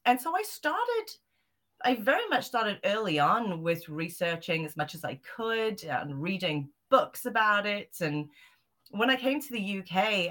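Bright-voiced woman guest from southern Africa. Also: lowish voice. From Zimbabwe and South Africa. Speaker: guest, psychic medium and author. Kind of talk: interview answers.

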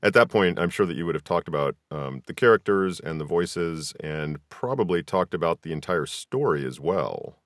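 A man's voice: low-pitched, expressive, normal speed, few pauses, no room sound, clean studio sound. A man hosting a podcast, asking questions in a casual, conversational interviewing style.

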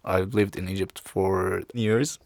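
A man from Syria, a podcast guest, introducing himself haltingly. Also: deep voice, fairly even intonation, creaky, no echo.

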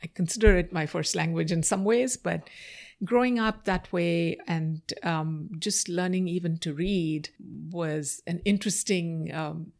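A woman's voice: fairly low pitch, darkish tone. A woman from India whose first language is Marathi, thoughtfully answering interview questions about her life and career. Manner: thoughtful, reflective, many pauses and fillers. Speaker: interview guest.

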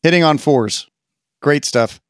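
Animated sarcastic man, dry sound. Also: fairly high pitch, a little slow, smooth, no room sound. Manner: animated, sarcastic, swings loud and quiet. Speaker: podcast co-host. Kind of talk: casual gaming podcast chat.

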